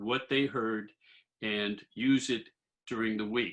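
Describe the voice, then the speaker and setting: A man talks at a fairly slow pace with a medium pitch. His tone is bright and sharp, and his intonation stays fairly even. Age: 70s. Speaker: retired school principal. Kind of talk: casual presentation to online group. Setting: video call.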